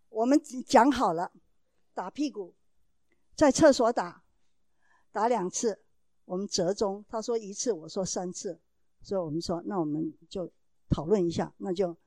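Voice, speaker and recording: A woman giving a Christian parenting talk to an audience, telling a story about her child with animated storytelling and acted-out dialogue. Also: medium pitch, dry recording. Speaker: mother giving parenting advice.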